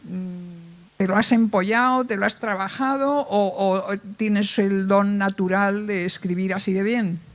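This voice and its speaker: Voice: medium pitch, fairly even intonation, unhurried. Rambling, hesitant festival interviewer. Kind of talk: conversational questions.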